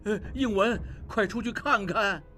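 A woman's voice: mid-range voice, unhurried, fairly bright tone, close to an everyday voice. A woman doing a panicky, stammering clan elder. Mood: panicked. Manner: frantic, stammering, whining.

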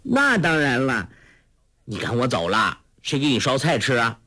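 A man's voice: wildly swooping pitch, bright, forceful tone, dry recording, studio quality, exaggerated voice. A man voicing a clever, playful teenage girl in a storybook reading, in a raised, coaxing voice. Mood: pert. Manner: high, quick, coaxing.

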